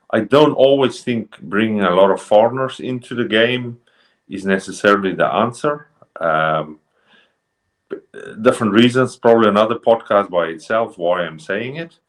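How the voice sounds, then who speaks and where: This man has a non-native accent and a medium pitch. He talks at a moderate pace with lively intonation. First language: not English. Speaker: rugby academy coach. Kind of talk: podcast interview. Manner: hesitant, repeats words.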